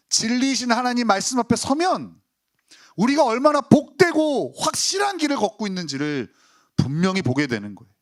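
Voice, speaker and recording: A man's voice: high voice, fairly bright tone. A male pastor preaching a Sunday sermon in a chatty way, tossing rhetorical questions at the congregation. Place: church sanctuary.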